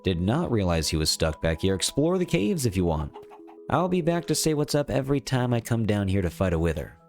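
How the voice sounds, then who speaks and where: A man's voice: on the low side, very animated, fairly quick, a little mellow. A man with a slight cold giving casual, chatty gameplay commentary as host of a gaming series, thinking aloud as he goes. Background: music.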